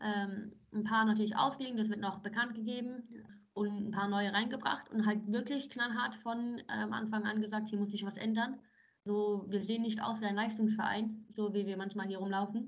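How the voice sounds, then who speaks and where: A woman speaks in a fairly high pitch at a moderate pace, somewhat breathy and monotone, with flat intonation. There is audible room echo. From Germany. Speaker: professional footballer. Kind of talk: interview.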